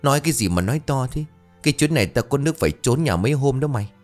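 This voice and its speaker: A man's voice: medium pitch, expressive, very fast, darkish tone, faint music behind, pitched above the performer's own voice, lightly acted. A man voicing a panicky, bumbling young husband who blusters when he is flustered, lifting his voice a little above his own in a told ghost story. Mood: sheepish.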